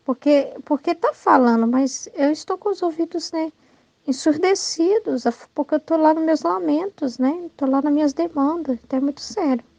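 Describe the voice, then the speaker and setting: A woman's voice: sits high, normal speed, creaky, a little mellow, no echo, lo-fi sound. A Brazilian woman giving informal Catholic spiritual teaching, talking conversationally, often adding "né?" and acting out quoted thoughts. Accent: Brazilian Portuguese.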